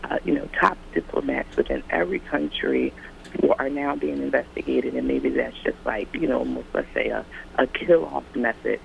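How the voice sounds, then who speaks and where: A man calling in to a radio talk show, rambling and hesitant with many pauses. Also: medium pitch, gravelly, slight background noise. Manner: rambling, hesitant, full of ums. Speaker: caller. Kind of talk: phone-in call. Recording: dull lo-fi phone line.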